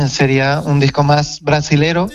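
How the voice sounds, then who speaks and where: Gravelly Portuguese-accented man. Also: fairly high pitch, fairly even intonation, unhurried, highs cut off. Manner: thoughtful, searching for words, frequent restarts. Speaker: singer, interview guest. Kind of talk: reflective conversational interview answers.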